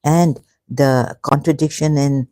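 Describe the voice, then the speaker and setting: A speaker from Pakistan, an online religion commentator rambling through a solo livestream in a halting, emotional way with many broken-off phrases. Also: mid-range voice, steady tone, warm tone, dry recording. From Pakistan, grew up in Karachi.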